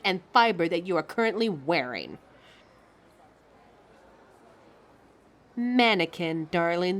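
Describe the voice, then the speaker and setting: A woman acts out a vain living mannequin from an audio roleplay, haughty and quick to take offence. Her mid-pitched voice swings widely and theatrically. She talks down to listeners with fussy, condescending flair. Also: natural voice. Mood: indignant, offended. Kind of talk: scripted roleplay audio monologue.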